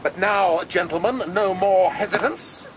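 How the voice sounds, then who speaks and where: An actor playing a haughty, spiteful aristocratic commander in a radio drama, with a pompous, sardonic drawl. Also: male voice, high voice, a little slow, a little hiss or hum, poor audio. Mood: gloating.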